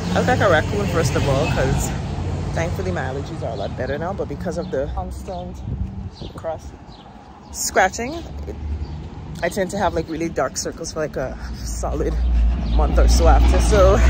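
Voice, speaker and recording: A woman speaks at a moderate pace with long, frequent pauses. The sound is dry with no echo, and the background noise is loud. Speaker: vlogger. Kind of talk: casual vlog chat. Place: street. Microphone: phone near.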